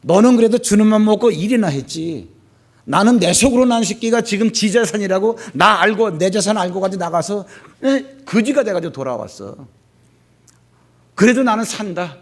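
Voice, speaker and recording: A man's voice: mid-range voice, lively intonation, moderate pace, creaky, long pauses, warm tone, pitched below the performer's own voice. A pastor playing an exasperated aging father. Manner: exasperated, pleading. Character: indignant aging father scolding his eldest son.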